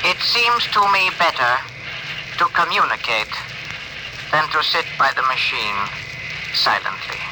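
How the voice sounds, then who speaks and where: An actor playing a gentle alien ship's communicator who speaks in stiff, oddly formal phrases, in a 1950s radio drama. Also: male voice, fairly high pitch, very animated, unhurried, pauses often. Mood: solemn. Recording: hissy old radio broadcast.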